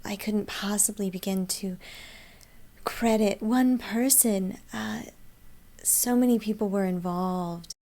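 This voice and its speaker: A woman playing a self-important celebrity giving breathy, halting, affected interview answers for comedy. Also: medium pitch, warm tone, voice pushed down. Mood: affected, gracious. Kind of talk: comedic character monologue.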